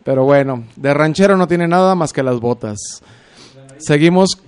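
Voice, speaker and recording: A man's voice: a little high, moderate pace, darkish tone, clear, resonant tone. A man with a Mexican accent hosting a radio show, chatting casually and teasing his technician in a joking way. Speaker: radio host.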